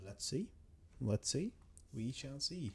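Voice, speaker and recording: Somewhat breathy, the man's voice rests at a medium pitch. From England. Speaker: motorsport streamer. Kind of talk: live watchalong commentary. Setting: live stream. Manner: casual, chatty.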